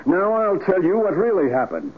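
An actor playing a blunt, insistent police sergeant in 1940s radio drama style, with a brusque, accusing manner. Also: male voice, high voice, wildly swooping pitch, normal speed, husky, heavily acted. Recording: tinny 1940s radio recording.

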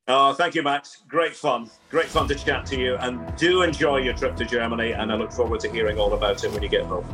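A man who commentates on soccer, a guest on a podcast, giving measured, considered opinions with frequent restarts. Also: mid-range voice, fairly even intonation, a bit bright, soft background music. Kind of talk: casual interview talk.

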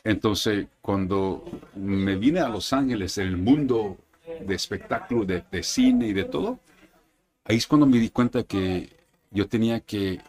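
A male actor from Brooklyn, New York, whose first language is English, chats casually as an interview guest in an indoor arcade. His voice is lowish and his pace measured. He rambles in a relaxed way and mixes in English words.

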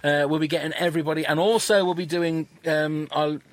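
A man's voice: a little high, fairly even intonation, fairly quick, dry recording. A man co-hosting a podcast, casual and jokey, laughing often. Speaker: podcast co-host. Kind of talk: casual podcast chat and promo.

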